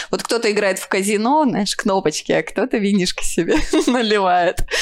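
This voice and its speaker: A woman talks at a fairly quick pace and a medium pitch with ordinary variation. Noticeable background noise is present. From Transnistria, Moldova. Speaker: sommelier and travel guide. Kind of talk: casual chat.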